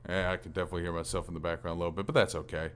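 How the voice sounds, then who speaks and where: A man's voice: deep voice, flat delivery, rapid-fire, fairly bright tone, clear, resonant tone. A man hosting a gaming podcast, talking in an informal, rambling way with casual swearing. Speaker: podcast host.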